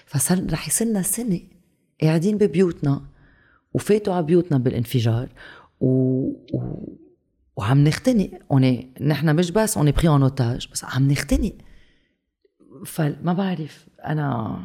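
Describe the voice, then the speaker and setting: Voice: mid-range voice, lively intonation, normal speed, warm tone. A speaker with a Lebanese Arabic accent in a casual chat, occasionally mixing in French and English words.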